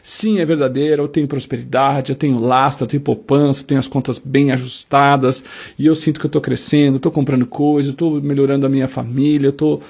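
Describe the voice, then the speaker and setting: A man's voice: mid-range voice, flat delivery, fast, darkish tone. A man leads a self-help quiz, reading each statement and acting out sample answers in the first person. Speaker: motivational speaker.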